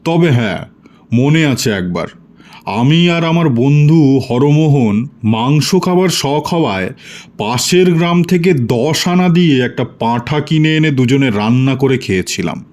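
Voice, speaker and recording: A man's voice: medium pitch, animated, a little slow, darkish tone, lightly acted. A man voicing a genial, boastful village-born storyteller who reminisces proudly and chattily in an audio storybook. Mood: nostalgic, chatty.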